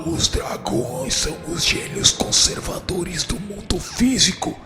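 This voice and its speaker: Gravelly, haughty dark spirit judge, acted by a man. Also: mid-range voice. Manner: pompous, declamatory, scornful. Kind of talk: radio drama acting. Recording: echoey hall reverb with music behind.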